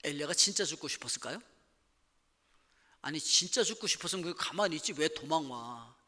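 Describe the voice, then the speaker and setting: A middle-aged male pastor preaching a sermon in a church, lively, who acts out quoted complaints with sudden loud bursts. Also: a little high, a little fast. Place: church sanctuary. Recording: long hall reverb.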